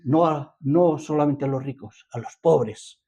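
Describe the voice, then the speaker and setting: A man's voice: fairly high pitch, a little slow, dark tone, breathy edge. A man with an accent from Spain preaching a sermon to a congregation, emphatic and fond of rhetorical questions and repetition. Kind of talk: sermon, reading and expounding scripture to a congregation.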